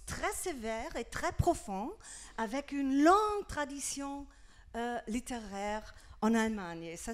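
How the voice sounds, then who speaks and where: A woman's voice: on the high side, darkish tone. German-accented woman speaking French carefully. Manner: careful, searching for words in a second language. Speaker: literary critic, festival speaker. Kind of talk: prepared talk with hesitations. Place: festival stage with audience. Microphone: handheld microphone.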